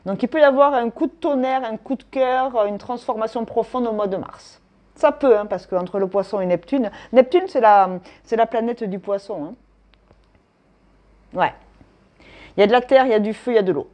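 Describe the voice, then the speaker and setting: A woman's voice: on the high side, normal speed, mellow. A woman from France, giving a casual tarot and astrology reading in a chatty, thinking-aloud manner. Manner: chatty, thinks aloud, frequent tag "hein". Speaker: tarot reader.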